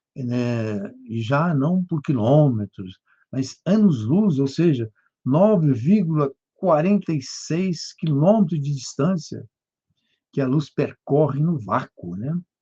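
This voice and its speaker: Speaking at a very slow pace, a man with a dark, mellow tone sounds somewhat breathy in a dry, close recording with no echo. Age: 70s. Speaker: spiritist lecturer. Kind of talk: lecture. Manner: halting.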